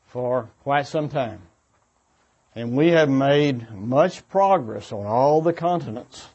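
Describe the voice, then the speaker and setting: Guy preaching kinda informal, earnest n halting, repeats himself, bit muffled lo-fi audio. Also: medium pitch, darkish tone. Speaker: preacher addressing young adults at a church gathering. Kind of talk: informal sermon, exhortation.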